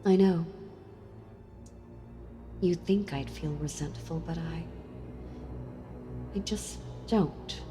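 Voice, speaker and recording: Playing a villainess sealed away, a woman speaks intimately to the listener in this audio role-play, tender and earnest, pausing hesitantly, wistful and softly seductive as if enthralled. Her low, mellow voice carries long reverb over background music.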